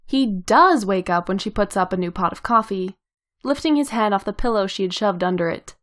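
A woman narrating a piece of fan fiction in a calm, even tone at a medium pitch. Her reading is steady and unhurried. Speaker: reader. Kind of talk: fan fiction read aloud.

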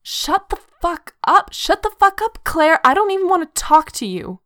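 A woman's voice: very high voice, big pitch swings, moderate pace, a bit bright, no echo, studio quality, voice pushed up, exaggerated voice. A woman voicing a fiery, anguished young woman hunter in an audio story, with emotional, raised outbursts. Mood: furious, tearful.

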